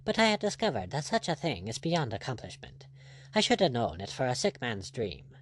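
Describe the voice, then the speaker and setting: Casting: male narrator as bold buccaneer, ironic, courtly, wistful edge, animated storybook delivery. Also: mid-range voice, fairly quick, a little hiss or hum. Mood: earnest, wistful. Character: gallant Irish pirate captain, bold, ironic, wistful.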